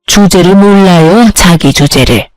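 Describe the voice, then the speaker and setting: A woman's voice: fairly low pitch, unhurried, a little mellow, dry recording, faint music behind, natural voice, low-quality recording. A woman voicing a spiteful older mother-in-law who hurls contemptuous insults, in a read-aloud story. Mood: scornful.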